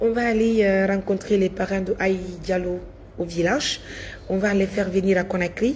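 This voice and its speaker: A woman speaks with fairly even intonation and very even loudness, leaving long, frequent pauses. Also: medium pitch for a woman, moderate pace. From Guinea (Pita). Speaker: journalist and NGO presenter. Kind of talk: live stream appeal. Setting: restaurant. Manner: soft-spoken.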